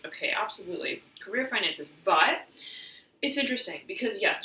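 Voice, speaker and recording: A woman giving a tarot reading, slightly hoarse and often clearing her throat. She meanders through restarts and fillers and keeps saying "I'm hearing.". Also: low-pitched, pushed and bright, roomy sound, far from the mic, poor audio. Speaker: tarot reader. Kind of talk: spiritual reading to camera.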